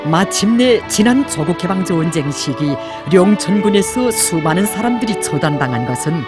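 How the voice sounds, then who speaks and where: A woman with a North Korean accent delivering solemn scripted propaganda narration. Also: lowish voice. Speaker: documentary narrator. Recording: music behind the narration.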